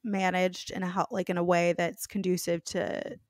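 A young woman with a raspy voice co-hosting a podcast, talking frankly and joking in a casual chat. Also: lowish voice, little pitch movement, moderate pace, no room sound, clean studio sound. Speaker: podcast co-host.

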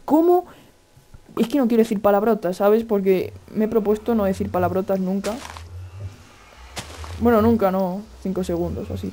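A man with a Spain Spanish accent giving casual, excitable gameplay commentary, chatty and full of exclamations. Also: high-pitched, slight background noise. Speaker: gaming video host.

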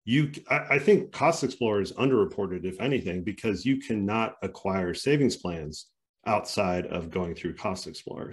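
Guy on a video call panel, kinda low voice, earnest, lots of practical examples. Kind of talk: webinar panel discussion.

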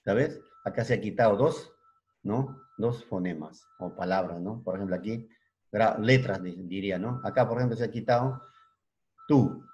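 A fairly low-pitched male teacher gives a classroom lesson. He repeats himself, drags out examples slowly and keeps asking the class if they follow. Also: darkish tone, muffled recording, slight background noise. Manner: repetitive, checks understanding with frequent "¿ya?" and "¿no?"; spells out word forms slowly, restarts words. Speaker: secondary school language teacher. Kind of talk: classroom lecture.

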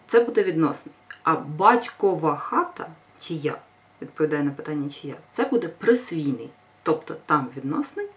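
A woman teacher giving a grammar lesson, patient and reassuring, stressing each example word. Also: low-pitched. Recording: voice a bit far from mic.

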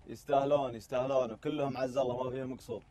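A man's voice: medium pitch, steady tone, rapid-fire, mellow. A man with a Qatari accent, a team captain in a desert camp, answering the host with courteous blessings. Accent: Qatari Arabic.

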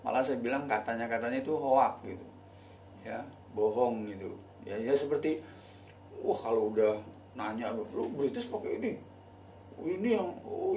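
A man talks through an informal lesson, looping back on his points and softening them with apologies. He sits some way from the mic in an echoey room, with a faint hum of ambience behind him. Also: mid-range voice. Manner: chatty and repetitive, often apologizing and addressing "friends". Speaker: English teacher. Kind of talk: casual spoken lesson to online learners. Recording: roomy echo, mic at a distance, faint ambience.

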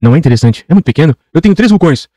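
A man's voice: a little high, animated, very fast, warm tone, no room sound, studio quality. A man voicing a curious, persistent little boy prince who asks question after question. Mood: anxious. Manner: earnest, insistent questioning.

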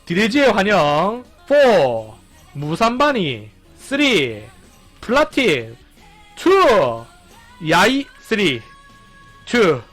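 Male gaming streamer: high, bouncy voice full of countdowns and shouts, over soft game music. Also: very slow, pauses often. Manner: animated, counting down and exclaiming loudly. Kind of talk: excited gameplay commentary.

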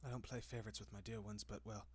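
Male actor as centuries-old vampire, lowish pitch, husky, courteous, doting, possessive, intimate roleplay audio. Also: flat delivery. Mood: doting, pleased. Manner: genteel, softly coaxing, lingering pauses.

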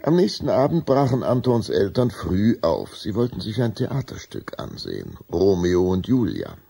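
A man narrating a children's radio play as a measured, solemn storyteller with a raspy voice. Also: on the low side, wildly swooping pitch, warm tone, full character voice. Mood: measured, eerie. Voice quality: raspy, gravelly.

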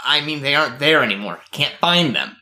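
A man's voice: a little high, expressive, brisk, bright, forceful tone. A man voicing Danny, a young companion with a crude, sarcastic way of talking, in an amateur audio drama. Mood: joking.

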